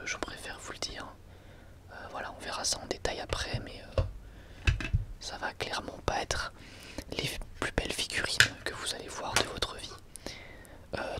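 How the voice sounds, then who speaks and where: An ASMR host whispering a casual, drily ironic product presentation in a hesitant, conversational way.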